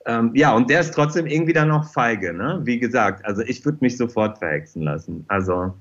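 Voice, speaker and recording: A man's voice: mid-range voice, expressive, a little fast, fairly bright tone. Slightly muffled, chatty man in casual interview. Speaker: interview guest, fashion designer.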